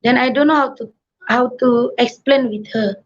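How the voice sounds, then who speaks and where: A woman's voice: fairly high pitch, a little slow. Earnest woman from Madura, muffled audio. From Madura, Indonesia. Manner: earnest, repeatedly addresses listeners as brothers and sisters; mixes in English phrases. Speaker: testimony speaker. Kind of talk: personal faith testimony.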